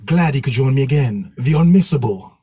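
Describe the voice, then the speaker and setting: Chirpy man with a husky voice. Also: mid-range voice, animated, a little fast, mellow. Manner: chirpy, self-mocking, laughs between phrases. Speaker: podcast host. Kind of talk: casual podcast chat.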